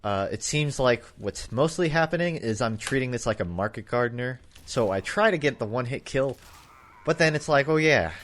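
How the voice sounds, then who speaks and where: A man's voice: mid-range voice, animated, normal speed. A young man giving casual, rambling commentary over his game footage, full of sarcastic, self-mocking jokes. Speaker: gaming YouTuber.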